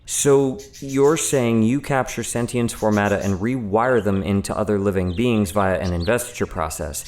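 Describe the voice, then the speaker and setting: A man's voice: fairly low pitch, moderate pace, a little mellow, close to an everyday voice. A man playing an earnest, inquisitive research doctor in an audio drama, polite and precise but slightly awkward. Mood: analytical.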